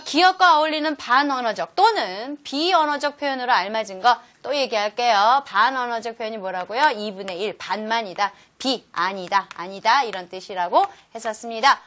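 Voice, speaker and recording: Woman teacher, lively lecture voice, fairly high pitch, quizzes the kids as she goes. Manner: animated, asks the viewers questions and answers them herself. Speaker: elementary Korean-language teacher. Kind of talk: lecture video for children.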